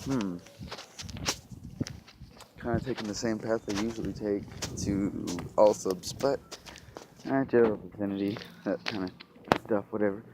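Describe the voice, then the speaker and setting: A man's voice: lowish voice, fairly even intonation, normal speed, pauses often. Rambling young man vlogging on a walk. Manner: rambling, profane, sarcastic asides. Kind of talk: casual vlog chat while walking. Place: outdoors on a street walking. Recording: loud outdoor noise from traffic. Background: traffic and outdoor sounds.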